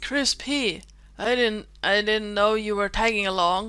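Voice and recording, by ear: A woman's raspy, put-on character voice at a medium pitch, delivered at a fairly slow pace.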